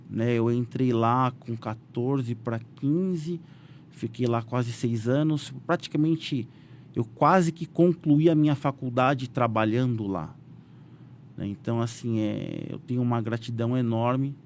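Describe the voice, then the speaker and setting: Brazilian man telling stories animatedly. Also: slight background noise. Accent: Brazilian Portuguese. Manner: animated, voices quotes with raised pitch, frequent "né?" fillers. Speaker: businessman guest. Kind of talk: casual storytelling interview.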